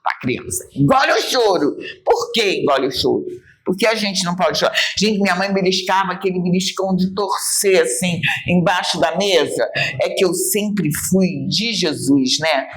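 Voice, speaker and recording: A woman's voice: on the low side, moderate pace, husky. A woman with a Brazilian Portuguese accent leads a church Bible study lesson. She speaks emphatically and expressively, addressing her listeners directly and acting out remarks in changed voices. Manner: emphatic and expressive, talks straight to the group.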